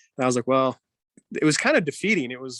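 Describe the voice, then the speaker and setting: Against a quiet background, a man with a fairly high pitch is heard in a dry, close sound with no echo. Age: 30s. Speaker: cleaning business owner. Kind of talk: interview. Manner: casual, halting with repetitions.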